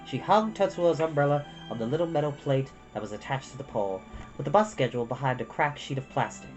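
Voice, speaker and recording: A woman reading a children's novel aloud as an expressive storyteller. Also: a bass voice, quick pace, lo-fi sound, soft background music. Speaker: storytime reader. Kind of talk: expressive scripted storybook narration.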